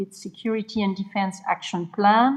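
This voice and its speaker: This woman speaks in a French accent at a moderate pace. Her pitch is fairly high. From France. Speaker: former European politician and academic panelist. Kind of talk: conference speech. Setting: conference stage with audience. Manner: hesitant, with frequent fillers and repetitions.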